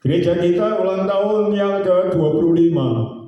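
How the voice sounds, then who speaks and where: A man, preaching a sermon as pastor in a drawn-out, sing-song way with homely jokes. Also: sits high, highs cut off. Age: 70s. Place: church sanctuary. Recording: very echoey church hall, distant mic.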